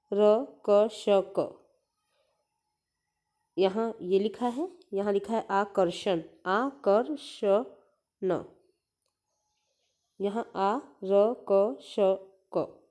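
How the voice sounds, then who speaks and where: A woman's voice: mid-range voice, mellow. A woman teacher giving a grammar lesson to young children, patiently repeating each word aloud and explaining letters and vowel signs step by step.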